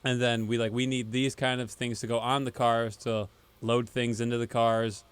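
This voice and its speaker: A man co-hosting a casual podcast, explaining at length in a relaxed way with many fillers. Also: medium pitch, normal speed, smooth, dry recording. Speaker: podcast co-host, band member. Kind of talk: casual chat.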